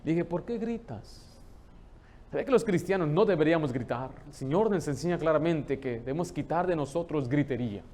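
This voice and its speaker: A man, preaching a lively sermon in a church and telling stories with humor. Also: fairly high pitch, a little fast, few pauses, a little hiss or hum. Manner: lively storytelling, joking with the congregation. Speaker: pastor.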